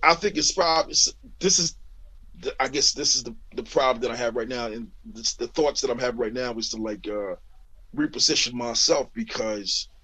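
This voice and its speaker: Husky man in easy interview chat. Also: mid-range voice, moderate pace, bright, forceful tone, low-quality recording. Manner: laid-back, repeats "you know what I'm saying". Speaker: guest rapper. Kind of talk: casual interview talk.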